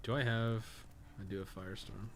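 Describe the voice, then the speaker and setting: A man's voice: on the low side, steady tone, fairly quick, background noise. A man giving casual live gameplay commentary, rambling and thinking aloud with casual swearing. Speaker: game streamer and podcast co-host.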